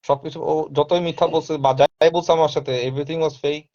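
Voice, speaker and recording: A man's voice: fairly high pitch, steady tone, moderate pace, a little mellow. Insistent man talking in a dull recording. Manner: insistent, repeats points, mixes in English phrases. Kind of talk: casual live talk. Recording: dull lo-fi sound.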